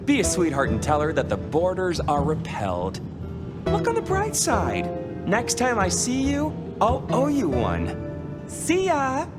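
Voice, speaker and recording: A man's voice: high-pitched, wildly swooping pitch, measured pace, loud music behind the voice, full character voice. An actor voicing a flamboyant, foul-mouthed male vampire in a video game, campy, theatrical and teasing. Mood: sardonic.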